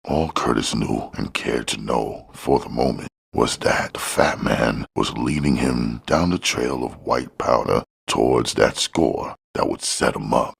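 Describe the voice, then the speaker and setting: A man's voice: extremely low pitch, a little slow, gravelly, few pauses, husky. A man reading scripted crime fiction as an audiobook narrator. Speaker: audiobook reader.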